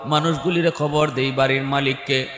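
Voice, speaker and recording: A man doing a calm holy old saint. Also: mid-range voice, moderate pace, natural voice. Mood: firm. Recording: echoey hall with faint music.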